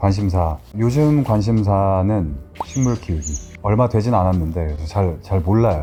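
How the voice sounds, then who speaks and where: Over music in the background, a man with a very deep, low voice speaks at a fairly slow pace with lively intonation. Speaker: actor. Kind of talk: interview answer.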